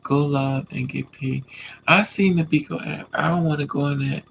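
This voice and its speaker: Man live streaming, fairly high voice, gravelly, stuffy nose, chatty and relaxed. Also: normal speed, slight background noise. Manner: relaxed, chatty, talks back to commenters. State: stuffy nose, coming down with a cold. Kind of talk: casual live-stream chat, reading viewer comments.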